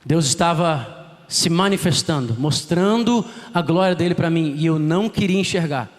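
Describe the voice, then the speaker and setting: A man's voice: on the high side, moderate pace, in a large hall. A man, a pastor, telling his testimony in a sermon, acting out the dialogue as he goes. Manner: dramatic storytelling, acting out dialogue. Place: church.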